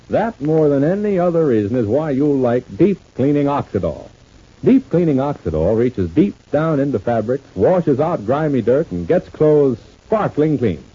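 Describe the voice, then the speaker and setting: Man, old radio announcer. Polished pitchman, husky, animated intonation, scripted copy, dull vintage radio sound. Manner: polished salesman delivery.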